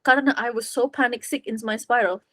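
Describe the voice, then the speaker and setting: A woman's voice: on the high side, steady tone, normal speed, fairly bright tone, no room sound. A young woman hosting a podcast, talking through personal stories in a casual, reflective way, slipping English phrases in and laughing often. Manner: mixes English phrases freely, laughs often, acts out voices. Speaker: podcast host.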